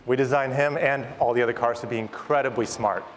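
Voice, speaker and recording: A man's voice: mid-range voice, steady tone, fairly quick. A man in his thirties, a company founder, giving an enthusiastic, rehearsed keynote product presentation on a large conference stage. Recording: long hall reverb, audience noise.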